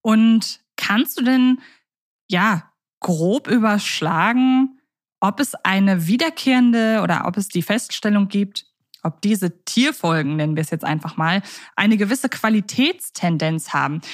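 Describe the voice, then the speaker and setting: A woman's voice: mid-range voice, no echo. Woman, podcast moderator, mid-range voice, careful roundabout phrasing, dry room-free sound. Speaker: podcast host.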